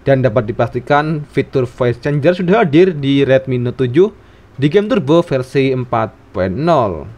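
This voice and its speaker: A man reading a step-by-step phone tutorial as a scripted voice-over, in a steady instructional way. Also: medium pitch, a little slow. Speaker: tech tutorial narrator. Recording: voice-over with faint background music.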